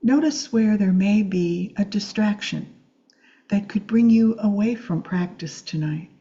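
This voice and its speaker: A woman meditation teacher guiding a Yoga Nidra practice in a gentle, soothing, unhurried way with long pauses. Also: mid-range voice, lo-fi sound.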